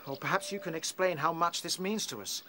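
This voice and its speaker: An actor with a British accent playing an earnest, thoughtful young rabbit leader in a radio play. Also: male voice, fairly high pitch, fairly quick, a crowd in the background, close to an everyday voice. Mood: thoughtful, hopeful. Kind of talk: radio drama acting.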